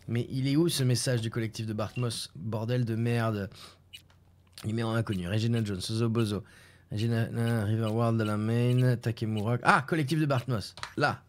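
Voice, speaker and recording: A male streamer chatting casually over a game, swearing and reading texts aloud. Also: mid-range voice.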